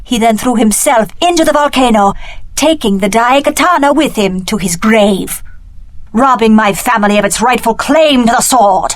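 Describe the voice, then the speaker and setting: Woman acting a high-voiced, haughty young warrior woman. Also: moderate pace, dry recording, lightly acted. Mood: scornful, menacing. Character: cunning young woman warrior, clan heiress turned haughty traitor. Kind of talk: video game voice acting.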